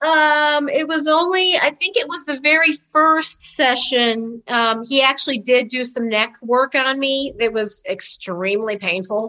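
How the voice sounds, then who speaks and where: Raised, projected voice in an American accent, with lively intonation and a fairly slow pace. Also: woman, high pitch for a woman. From New York. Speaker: psychic medium. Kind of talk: interview about personal experiences. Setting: video call. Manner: loud.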